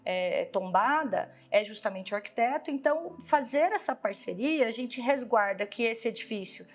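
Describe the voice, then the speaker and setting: A woman's voice: a little high, animated, moderate pace. A woman with a Brazilian accent giving an explanatory interview answer, often checking in with short tag questions.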